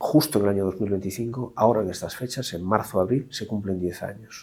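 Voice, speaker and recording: An ordinary speaking voice, this man's sits at a fairly low pitch and shows ordinary pitch variation. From Ferrol, Galicia, Spain. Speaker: hepatologist. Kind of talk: interview answer.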